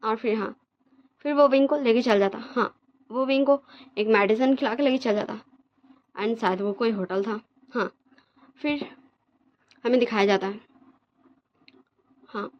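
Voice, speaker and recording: A woman's voice: a little high, dull audio. A woman host casually retelling a fan story, chatty and full of fillers, mixing in English words.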